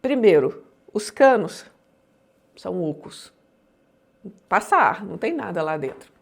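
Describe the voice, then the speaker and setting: A woman's voice: lowish voice, very animated, measured pace, creaky. A woman teaching an online course on public speaking, explaining points emphatically and often checking that listeners follow.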